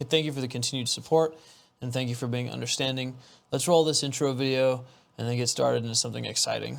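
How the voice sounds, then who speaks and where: Mumbling at a very fast pace, a man talks at a medium pitch. His intonation stays fairly even. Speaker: guitar gear reviewer. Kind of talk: tutorial.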